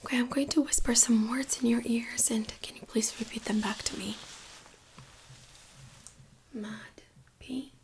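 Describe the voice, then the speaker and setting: A woman softly whispering in an ASMR medical exam roleplay, giving slow, gentle, attentive instructions as the examiner. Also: a little high, fairly even intonation, slight background noise. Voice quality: soft breathy whisper.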